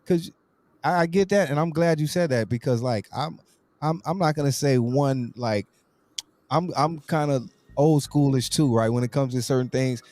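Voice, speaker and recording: Casting: male talk show host, average pitch, informal and slangy, repeats himself while shaping questions. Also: moderate pace, darkish tone, no echo. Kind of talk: casual interview chat.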